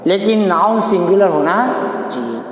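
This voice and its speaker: A man teaching an English grammar lesson, explaining slowly and repeating key terms as he moves between English and Hindi. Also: sits high, lively intonation. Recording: very echoey room with long reverb.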